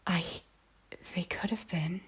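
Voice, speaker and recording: A woman playing a guilt-ridden former queen of Scotland in an audio drama, speaking earnestly and solemnly in a breathy, hushed voice. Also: on the low side, fairly even intonation, slow, exaggerated voice. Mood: gentle, sad. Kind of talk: intimate audio drama acting.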